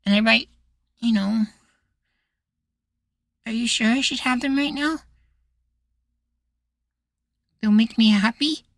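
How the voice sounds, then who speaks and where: High, hesitant young boywife played by a woman. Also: a little slow, no room sound, clean studio sound. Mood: nervous, questioning. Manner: hesitant, soft-spoken pleading, trailing questions. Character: meek young futuristic boywife, sweet, curious, hesitantly questioning. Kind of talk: ASMR roleplay acting.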